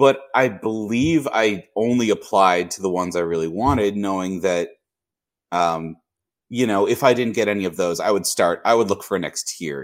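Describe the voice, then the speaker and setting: Speaking at a moderate pace with lively intonation, a man has an unremarkable speaking voice at a fairly low pitch, captured in a very clean recording with a silent background. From US Northeast, Boston. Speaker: songwriter and entertainment professional. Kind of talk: interview.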